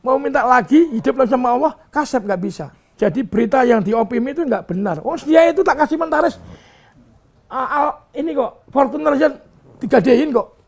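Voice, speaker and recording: A man's voice: very high-pitched, lively intonation, fairly quick. An older man who owns a bus company, speaking in a candid interview and lecturing with rhetorical questions and a scolding tone. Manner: emphatic, preachy, scolding tone with many rhetorical questions.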